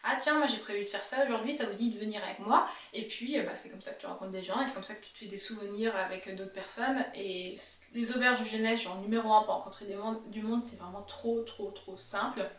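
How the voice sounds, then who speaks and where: A young woman with an Alsatian accent, chatting casually to camera as a vlogger, animated and talking straight to her viewers. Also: mid-range voice, brisk, recorded from a distance. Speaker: illustrator vlogger. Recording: roomy sound, mic set back.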